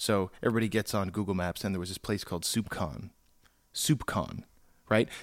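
On a very clean recording with a silent background, a man with a normal speaking voice talks at a fairly quick pace, his fairly low pitch showing ordinary variation. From Canada. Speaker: former podcast audio engineer. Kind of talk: casual chat.

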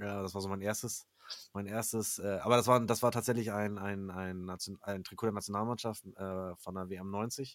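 In a very clean recording with a silent background, a man speaks at a moderate pace in a flat monotone at fairly low pitch. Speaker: podcast guest, football fan. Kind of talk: casual chat. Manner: halting, many fillers and repetitions.

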